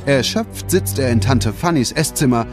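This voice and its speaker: A man's voice: mid-range voice, animated, normal speed. A man narrating a children's story in standard German with dramatic storytelling delivery. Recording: music behind the voice.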